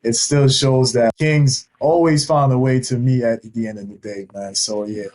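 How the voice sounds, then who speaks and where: A man's voice: medium pitch, fairly even intonation, moderate pace, a little mellow. A man from Haiti hosting a casual podcast interview over a video call, talking in a hype, slangy way. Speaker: podcast host.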